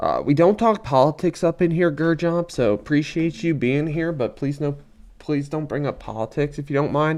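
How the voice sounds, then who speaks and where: Speaking at a moderate pace, a man uses a fairly high pitch, ordinary pitch variation, and an ordinary speaking voice. He has an American accent, and the background is quiet. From Pennsylvania, about an hour north of Philadelphia. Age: 30s. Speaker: live streamer. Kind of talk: casual live-stream chat with viewers.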